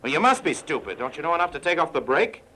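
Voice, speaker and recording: A man's voice: a little high, big pitch swings, quick pace, pushed and bright. An actor playing a cynical male con-man smuggler who narrates his own story with wry, confiding remarks, in 1950s radio drama style. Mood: brusque. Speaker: narrator and lead character. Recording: old radio broadcast with faint hiss.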